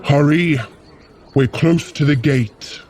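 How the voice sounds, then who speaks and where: Slow, mellow, anxious courteous guide. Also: male voice, a little high. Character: anxious, principled, courteous ally guiding fugitive gods. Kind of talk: audio drama acting.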